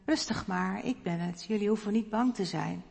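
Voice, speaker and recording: A calm, reassuring male teacher speaks gently and steadily, as a woman preacher reads his lines. Her voice has a gravelly texture, and long church reverb hangs after each phrase. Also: medium pitch, moderate pace, natural voice.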